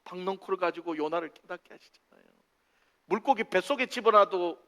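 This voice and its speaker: A man preaching a sermon in a church, acting out voices with big swings in pitch and loudness. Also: quick pace. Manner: animated, acts out dialogue with big pitch swings. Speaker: pastor. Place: church sanctuary. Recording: long hall reverb.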